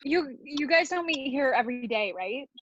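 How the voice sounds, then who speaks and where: Woman playing a high-voiced reasonable girl, dull recording. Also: expressive, moderate pace, fairly bright tone, a little hiss or hum. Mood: placating. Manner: placating, matter-of-fact. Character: easygoing, pragmatic girl, the club's voice of reason. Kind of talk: comedy sketch staged reading.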